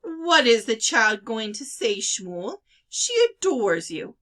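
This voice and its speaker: A woman's voice: fairly high pitch, very animated, fairly bright tone, heavily acted. A woman voicing a bossy, exasperated older sister from a village in a storybook reading. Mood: scolding. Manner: brisk, exasperated, commanding. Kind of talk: children's novel read-aloud.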